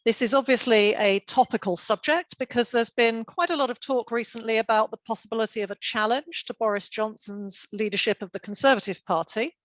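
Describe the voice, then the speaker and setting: A woman's voice: fairly high pitch, fairly quick, hardly any pauses, dry recording. A woman chairing an online panel event, giving formal, orderly introductions over a video call.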